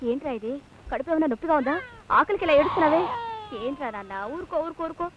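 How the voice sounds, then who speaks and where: A woman's voice: high voice, rapid-fire, crowd noise, natural voice. A woman playing an outspoken young teacher in dubbed film dialogue, blunt and lecturing with adults and coaxing with a crying baby. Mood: soothing. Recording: dull lo-fi film soundtrack with music.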